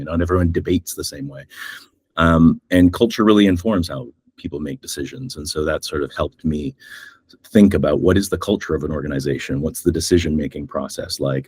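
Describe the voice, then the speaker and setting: A middle-aged man from Canada with a North American accent, speaking as an agency executive in a thoughtful interview, measured with frequent ums. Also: sits low, a little mellow, breathy edge, no room sound. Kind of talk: reflective interview talk.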